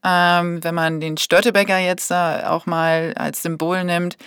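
A woman's voice: on the low side, level tone, unhurried, fairly bright tone, clear, resonant tone, no echo, studio quality. A woman from Hamburg chatting casually as she hosts an interview podcast. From Hamburg, Germany. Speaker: podcast host.

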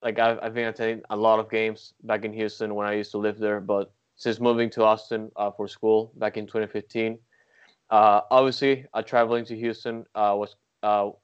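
A young man from Venezuela answering questions on a soccer podcast in an easygoing, filler-filled way. His voice is low and smooth, and it comes through slightly muffled, lo-fi audio. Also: level tone, moderate pace. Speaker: podcast guest. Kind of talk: casual interview.

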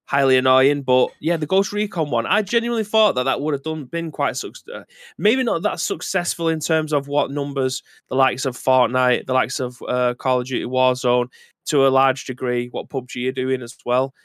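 A man's voice: medium pitch, moderate pace, a bit bright, no room sound, clean studio sound. A man co-hosting a video game podcast in casual chat, rambling and correcting himself as he thinks aloud. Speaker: podcast co-host.

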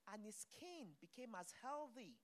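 A woman's voice: on the high side, big pitch swings, unhurried. Emphatic woman preaching. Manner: emphatic, swings between soft asides and loud exclamations. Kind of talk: sermon.

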